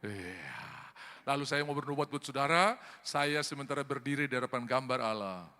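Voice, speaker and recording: A pastor preaching a sermon, swinging between loud exhortation and quiet asides. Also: male voice, mid-range voice, expressive, moderate pace, clear, resonant tone. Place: large church hall. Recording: long reverb of a church hall.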